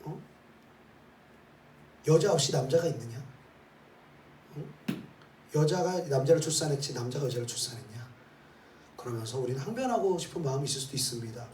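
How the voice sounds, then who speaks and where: A man with a mid-range, darkish voice preaches a sermon as a pastor, speaking fast with lively intonation and frequent pauses, throwing in rhetorical questions and "eh?" tags. He leads his congregation in reading scripture aloud in a church sanctuary. The roomy hall picks him up from some distance, with faint ambience and a little hiss or hum.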